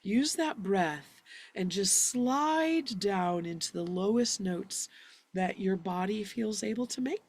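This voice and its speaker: A woman with a medium-pitched voice teaches singing in a live online lesson. She gently and encouragingly guides her student through breathing and relaxation.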